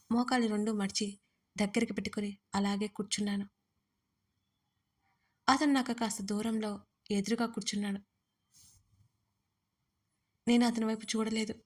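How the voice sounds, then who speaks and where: Emotional woman narrating a love story. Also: medium pitch. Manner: emotional, dramatic delivery. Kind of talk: scripted first-person narration.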